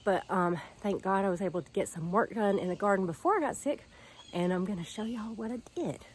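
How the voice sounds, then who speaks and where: Her pitch sits in the medium range and she speaks a little fast, over a faint hiss or hum. This Southern-accented woman from the Alabama Gulf Coast is a gardening vlogger giving a casual walking tour of her outdoor garden, camera in hand, stuffed up with a head cold and rambling through lots of fillers.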